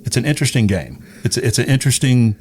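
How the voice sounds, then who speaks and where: A man's voice: mid-range voice, sing-song, quick pace, darkish tone, husky. A middle-aged man from East Texas chatting casually as an interview guest, hesitant and often repeating words. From East Texas, United States. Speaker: interview guest, radio personality. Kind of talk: casual chat.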